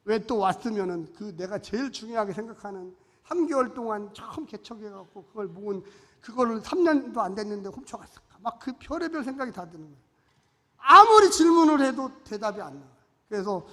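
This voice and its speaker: A male pastor delivers a sermon as a lively story, jumping from loud outbursts to quiet asides. His voice is bright and sharp. It rings out with the long reverb of a church hall. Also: sits high. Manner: animated storytelling, swinging between loud and hushed. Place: church sanctuary.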